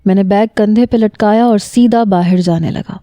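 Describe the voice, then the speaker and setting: A woman narrating a romantic story in the first person, steady and emotional. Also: medium pitch, dry recording.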